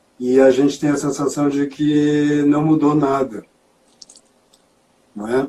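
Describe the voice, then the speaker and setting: This is a man's voice, pitched fairly high. He talks at a fairly slow pace. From southern Brazil, Rio Grande do Sul. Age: 60s. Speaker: guest speaker on inner life and art. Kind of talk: casual conversation.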